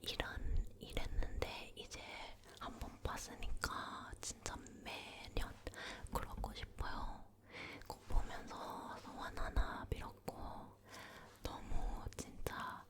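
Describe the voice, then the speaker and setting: Female ASMR host, leaning in to whisper, slow and hushed, close-miked personal storytelling. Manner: slow, gently repeating words.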